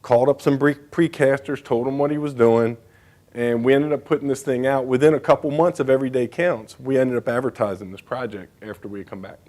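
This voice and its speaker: A man's voice: medium pitch, steady tone, brisk, darkish tone. A man giving a conference presentation as a state bridge engineer, speaking casually with frequent fillers and asides.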